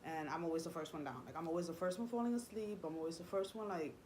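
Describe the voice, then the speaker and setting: A young woman whose first language is Spanish speaks in a low, unhurried voice. She confides her story in a rambling way, full of fillers and false starts. A faint hum of room noise sits underneath her. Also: darkish tone. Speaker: vlogger. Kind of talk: personal storytelling vlog.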